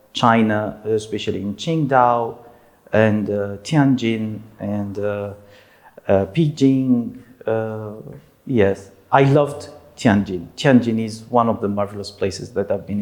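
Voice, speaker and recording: Man with a lively, hesitant voice. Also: medium pitch. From Egypt. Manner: hesitant, many fillers, frequent laughs. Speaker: interviewee. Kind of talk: casual interview in second language.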